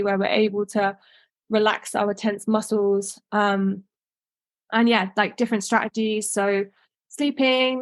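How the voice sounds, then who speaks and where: A woman's voice: on the high side, dry recording. Casual woman herbalist, filler-heavy webinar talk. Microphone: video call microphone.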